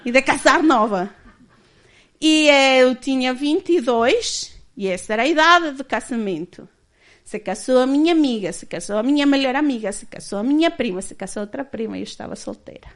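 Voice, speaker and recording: A woman's voice: high voice, lively intonation, moderate pace. A woman in her thirties giving a candid personal testimony as a church speaker, often laughing as she tells it.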